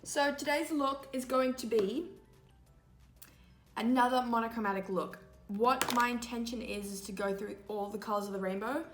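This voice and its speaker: Young woman, slightly hoarse, chatty with lots of fillers, casual tutorial talk, echoey room, faint music behind. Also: fairly high pitch, moderate pace. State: slightly hoarse, losing her voice. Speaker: makeup vlogger. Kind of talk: casual makeup tutorial chat. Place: small indoor room before a grey backdrop.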